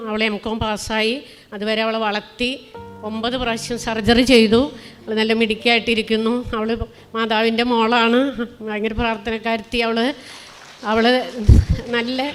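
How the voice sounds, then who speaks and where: A middle-aged woman from Kerala giving a spoken personal testimony, telling it plainly and earnestly, with many pauses and restarts. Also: on the high side, flat delivery, a bit bright, a little hiss or hum. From Kerala, India. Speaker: testimony speaker.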